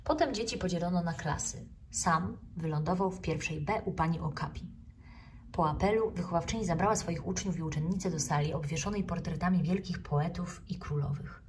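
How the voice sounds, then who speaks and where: Brief: actress narrating a kids' book, measured and clear, lower voice, slightly distant mic. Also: female voice, a little hiss or hum. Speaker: actress reading a children's book. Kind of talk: storybook reading aloud.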